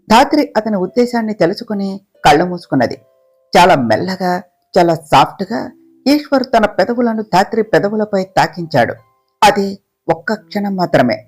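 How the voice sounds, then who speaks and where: A storyteller reading a romance story aloud in a slow, even, gentle way. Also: medium pitch. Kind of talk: scripted narration of a romance story.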